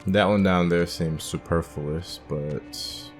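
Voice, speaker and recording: A man with a very low, deep voice talks his way casually through a video game. He thinks aloud in an unscripted, muttering way, as if half to himself. Music plays behind him. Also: fairly even intonation, slow pace. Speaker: gamer, video game playthrough host. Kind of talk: casual, unscripted gameplay commentary.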